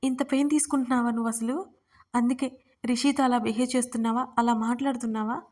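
A woman's voice: a little high, steady tone, quick pace, natural voice. A woman narrator voicing a distraught young woman who pleads with and scolds her friend through tears. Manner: tearful, pleading, shouting.

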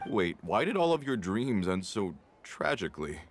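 A weary, low-voiced villager. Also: male voice, very animated, normal speed, music in the background. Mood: earnest, questioning. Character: weary, earnest adult male villager seeking escape. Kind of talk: video game voice acting.

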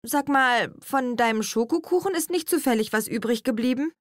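A woman reading an audiobook, voicing a bubbly, excitable young woman friend in a chirpy, gushing way. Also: a little high, normal speed, dry recording, clean studio sound, pitched above the performer's own voice, close to an everyday voice.

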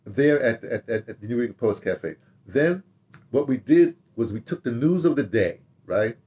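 An older man telling stories casually to camera in an animated, rambling way, repeating himself and trailing into asides. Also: medium pitch, normal speed, slightly rough. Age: older, 60s or 70s. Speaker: radio drama director reminiscing. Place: small home study, indoors.

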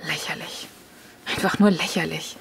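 A woman's voice: low-pitched, fairly even intonation, normal speed, vocal fry, fairly bright tone, breathy edge, exaggerated voice. An actress playing an uneasy, wry policewoman in an audio drama. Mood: wry, weary.

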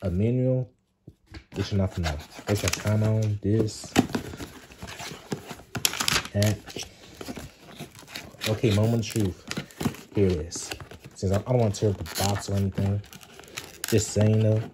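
A man hosting a casual unboxing vlog, talking haltingly with many repeated words and fillers. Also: on the low side, fairly even intonation, heavy background noise. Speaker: vlogger.

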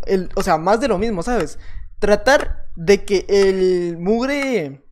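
A gaming channel host with a Mexican accent gives casual gameplay commentary in a high-pitched voice. He's chatty and repeats short phrases over and over, sometimes bursting into loud, excited yelling.

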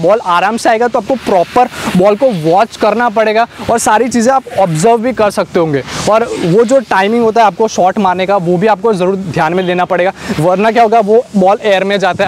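A man's voice: high voice, slight background noise. A young man coaching cricket outdoors in the nets, chatting casually and addressing viewers directly.

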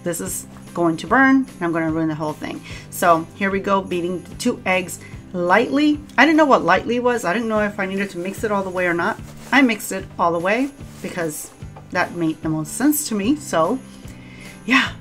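A woman with a Cuban accent, talking casually through a home cooking vlog, chatty and self-deprecating and laughing often. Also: medium pitch. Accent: Cuban Spanish. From Cuba. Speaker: cooking vlogger. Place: home kitchen.

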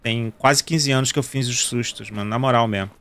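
In casual gameplay commentary, this Carioca-accented Brazilian host in his thirties jokes with viewers and leans on slang. He has a medium pitch, fairly even intonation and a slightly bright sound, speaking a little fast.

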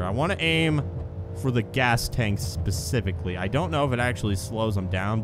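A young man giving casual gameplay commentary, excitable and laughing, bursting into shouts at the action, with the hiccups. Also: mid-range voice. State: has the hiccups. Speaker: gaming YouTuber.

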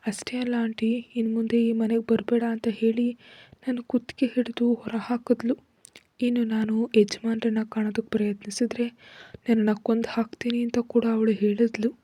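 A woman's voice: on the high side, flat delivery, normal speed, mellow, breathy edge, no echo. A woman voicing a scheming young woman in a storybook reading, whispering her lines in a sly, wheedling way. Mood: fake-tearful.

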